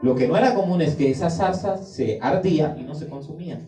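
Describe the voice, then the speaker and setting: A man's voice: a little high, brisk, mellow. A man preaching a sermon in an emphatic way, acting out the prayers he quotes. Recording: roomy echo, distant mic, faint music.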